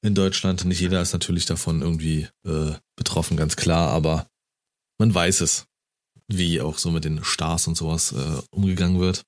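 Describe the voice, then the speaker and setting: Deep-voiced man, casual co-host, keen football fan. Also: normal speed. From Germany. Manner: enthusiastic, animated retelling.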